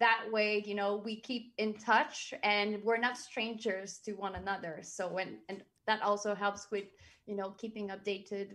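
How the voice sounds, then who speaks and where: At a fairly slow pace, a woman speaks at medium pitch in a flat monotone. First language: French. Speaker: business professional, client manager. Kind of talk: casual live interview. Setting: live online stream.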